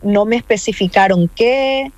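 A woman's voice: medium pitch, a little slow, a little mellow, no echo, dull audio. A woman in an interview telling her own story, earnest and insistent, repeating key points. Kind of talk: emotional personal account.

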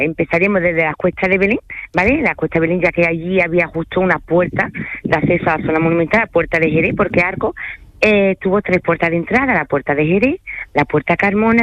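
A woman's voice: lowish voice, dry recording, highs cut off. A woman from France, a tour guide, talking casually in a radio interview and often checking in with her listener mid-sentence. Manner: chatty, keeps adding "okay?" and filler hesitations.

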